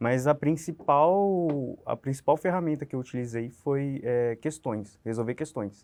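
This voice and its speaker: A man's dark, mellow voice at a fairly high pitch, with ordinary pitch variation and a fairly slow pace over a quiet background. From interior of São Paulo state, Brazil. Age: 20s. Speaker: recent law graduate who passed the bar exam. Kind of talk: interview. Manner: hesitant, many fillers and repetitions.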